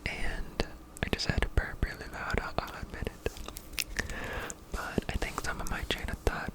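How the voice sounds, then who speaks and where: Whispering at a moderate pace, a male ASMR creator gives viewers an earnest, gentle pep talk filled with encouraging affirmations. The audio quality is poor.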